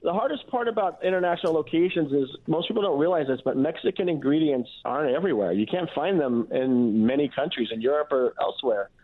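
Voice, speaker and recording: Over a tinny phone line, a man who owns a restaurant and works as a chef chats informally as a radio guest, full of restarts and "you know"s. His pitch is fairly high, and he sounds animated, talking fast with hardly any pauses.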